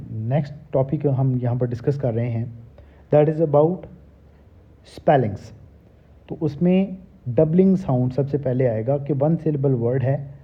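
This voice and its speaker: A middle-aged man teaching a recorded lesson at an unhurried, deliberate pace. He spells out each English rule word by word before explaining it calmly. The sound is thin and narrow, like a phone line. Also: medium pitch, husky. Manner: reads English rules slowly word by word, then explains them in a relaxed way. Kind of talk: recorded classroom lecture. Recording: tinny phone-like lecture recording.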